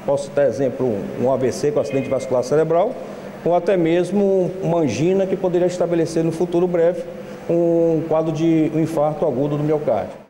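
A man with a northern Brazilian accent, a doctor giving a calm, clinical explanation to the press. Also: a little high, brisk, big-room sound, slight background noise, poor audio. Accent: Brazilian Portuguese, northern. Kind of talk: press interview.

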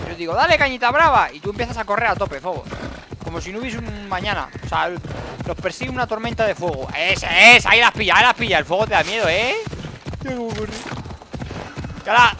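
A man with a Spain Spanish accent giving jokey, excitable gameplay commentary and talking to the game characters. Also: sits high. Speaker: gaming channel host. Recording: game music and sounds behind.

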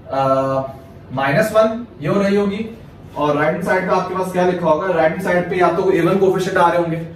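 A math lecture is delivered by a man whose voice sits high and who speaks with a Pakistani Urdu accent, explaining step by step and responding to his own questions. Slight background noise is present, and the very echoey room leaves him sounding distant.

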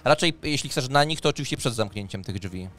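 A man narrating a tabletop role-playing game as game master, pausing deliberately as he describes scenes. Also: mid-range voice, expressive, fairly bright tone. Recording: music under the voice. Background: background music.

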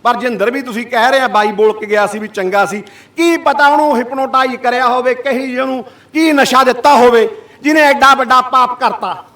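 A man's voice: extremely high pitch, fairly even intonation, a little fast, pushed and bright. A middle-aged man, an activist giving a fiery speech to a gathered crowd, full of rhetorical questions. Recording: voice picked up from a distance.

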